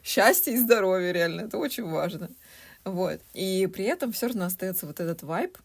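Хрипловатая молодая женщина, болтливая подкастерша. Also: female voice, lowish voice, a little fast, gravelly. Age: 20s. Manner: chatty, animated retelling with acted quotes. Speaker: podcast co-host. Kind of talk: casual podcast chat.

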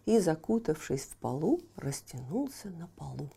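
A woman storyteller reading a verse fairy tale for children, slow and expressive. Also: sits low, creaky, slightly rough.

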